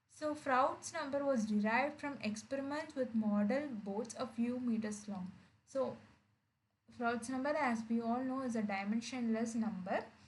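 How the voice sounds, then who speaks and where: Audible room echo surrounds a woman's high-pitched voice, which has ordinary pitch variation and a moderate pace. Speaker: teaching assistant. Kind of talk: tutorial.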